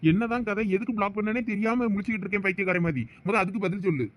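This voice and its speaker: A man's voice: high-pitched, rapid-fire, close to an everyday voice. A young man playing a persistent, jealous lover who talks in a pushy, coaxing way, with a Thoothukudi Tamil accent. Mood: insistent, coaxing.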